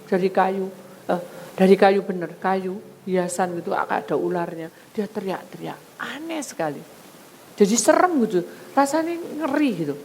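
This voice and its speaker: Woman pastor, storytelling sermon, dramatic swings in pitch and volume, faint background noise. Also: poor audio. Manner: storytelling, acting out dialogue with swings in pitch and loudness.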